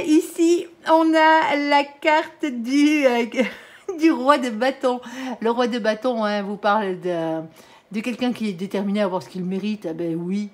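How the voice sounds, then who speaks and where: A woman's voice: mid-range voice, a little mellow. A woman with a regional French accent giving a casual tarot reading, chatty and blunt, tagging "hein" onto nearly every phrase. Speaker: tarot reader.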